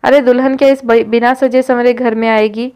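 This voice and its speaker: Lady narrator doing a bossy old granny yelling at the help, smooth voice. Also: a little high, level tone, close to an everyday voice. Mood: scolding. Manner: scolding, loud. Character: bossy scolding old grandmother.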